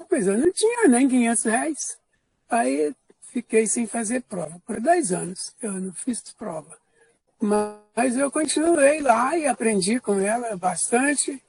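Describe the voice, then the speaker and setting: An older man from Brazil telling a personal life story in an unhurried way, pausing and restarting often. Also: very high voice, very animated, breathy edge. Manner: unhurried, with frequent pauses and restarts. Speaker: interviewee giving a life testimony.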